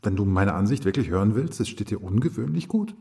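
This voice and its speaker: A calm, dark-voiced, creaky man. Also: lowish voice, fast. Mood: calm, probing. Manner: composed, terse, questioning. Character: calm, unruffled male military historian, quietly probing housemate. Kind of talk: literary radio drama dialogue.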